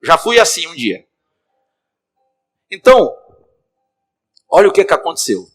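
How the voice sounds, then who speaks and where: Faint music plays behind a preacher whose voice is on the high side and whose pace is measured. A bishop with a Cearense Brazilian Portuguese accent, he tells a story as a sermon and animatedly speaks straight to the congregation.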